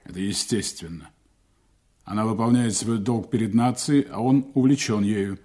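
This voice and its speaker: A man's voice: on the low side, moderate pace, mellow, close to an everyday voice. A man acting a cold, commanding spymaster in an audio drama, terse and unsentimental in his clipped speech. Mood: stern, controlled.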